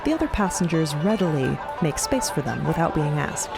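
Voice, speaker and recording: A woman's voice: sits low, very animated, fairly quick, gravelly. A woman narrating a scripted audio drama with descriptive, literary prose. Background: loud music.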